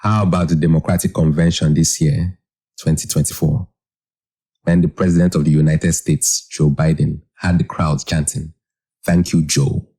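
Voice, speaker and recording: A man reading a scripted Christian commentary in an earnest, measured way. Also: very deep voice, little pitch movement, background noise.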